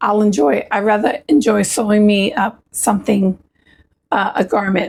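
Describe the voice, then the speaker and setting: A woman talks at a moderate pace with a medium pitch and ordinary pitch variation. Her voice is somewhat breathy, with very even loudness. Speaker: sewing vlogger. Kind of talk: casual vlog chat. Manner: halting, repeats words.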